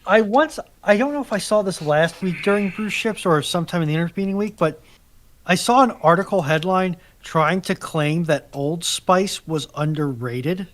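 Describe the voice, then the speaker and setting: A man's voice: high-pitched, moderate pace. A man co-hosting a casual live chat and reading out audience questions, with slight noise on the recording.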